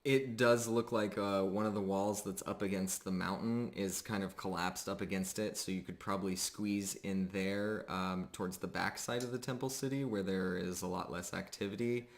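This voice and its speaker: A man narrating a tabletop role-playing game as game master, improvising descriptions in a halting way. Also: low-pitched, steady tone.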